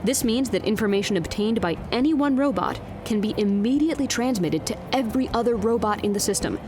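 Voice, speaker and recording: A woman playing a wry, exasperated field news reporter in an audio drama, speaking in a crisp, pointed broadcast style. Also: on the high side, lively intonation, a little fast, background noise, close to an everyday voice. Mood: brisk, pointed.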